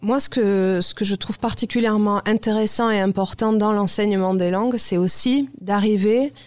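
A woman teacher from Germany speaks in an articulate, composed manner about language teaching. Her mid-pitched voice is recorded close and dry. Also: fairly even intonation, normal speed, a little mellow, no room sound. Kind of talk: interview answers.

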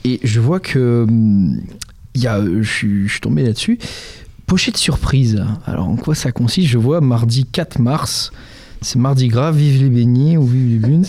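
A man's voice: medium pitch, normal speed, a little mellow. A man hosting a casual interview, feeling his way through long, loosely phrased questions with a jokey touch. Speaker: interviewer, show host. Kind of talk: casual radio-style interview.

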